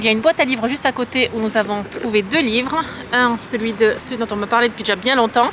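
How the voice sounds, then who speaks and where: Against noticeable background noise, a woman talks at a fairly quick pace in a fairly high voice. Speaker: lifestyle vlogger. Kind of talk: casual vlog narration. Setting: at home. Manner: whispering.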